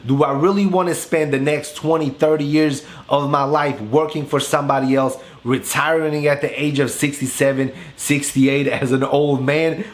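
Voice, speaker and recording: A young man from Bosnia hosting a finance channel, talking straight to the camera in an earnest, motivational monologue that slows down to stress key points. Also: on the high side. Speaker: finance YouTube host.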